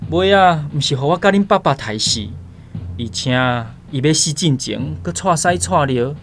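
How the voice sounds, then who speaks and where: Brave young tribal man, higher voice. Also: lively intonation, moderate pace, a little hiss or hum. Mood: reassuring, scornful. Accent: Taiwanese. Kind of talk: radio drama acting.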